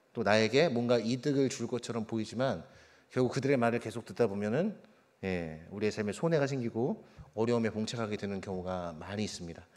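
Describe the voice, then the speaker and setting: Man preaching a sermon. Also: mid-range voice. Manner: preaching with rhetorical questions to the congregation; slows and drops soft at phrase ends. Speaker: pastor.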